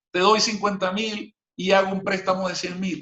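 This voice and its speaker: A man with a high pitch talks at a moderate pace. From Venezuela, Zulia (Maracaibo). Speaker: real estate businessman. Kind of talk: interview. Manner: hesitant, repeats words.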